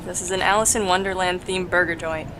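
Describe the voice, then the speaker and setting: A woman's voice: on the low side, fairly even intonation, quick pace, noisy background. A woman hosting a let's play with casual, jokey, sweary game commentary.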